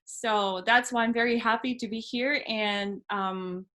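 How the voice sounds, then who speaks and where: A woman from Ukraine with a Ukrainian accent, an English teacher giving earnest, deliberate answers in an interview. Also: fairly high pitch, fairly even intonation, a bit bright.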